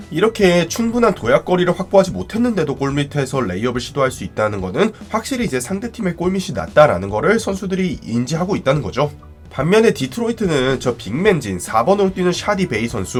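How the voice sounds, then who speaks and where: A man with a stuffy, cold-affected voice giving explanatory, analytical sports commentary over basketball highlights as the host. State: has a cold, congested stuffy voice.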